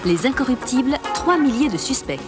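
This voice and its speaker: A woman narrates a TV trailer in a punchy, promotional voice-over. Her pitch is fairly high and lively. Loud music runs under her. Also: fairly quick.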